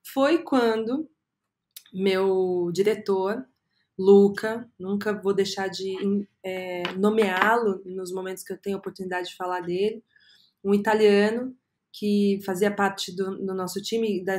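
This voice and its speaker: A woman in her thirties with a Brazilian Portuguese accent, a podcast guest telling her career story earnestly and often filling pauses with "é". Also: medium pitch, fairly even intonation, a little mellow. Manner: earnest, storytelling, frequent "é" fillers. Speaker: guest, agency co-founder. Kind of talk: reflective podcast interview.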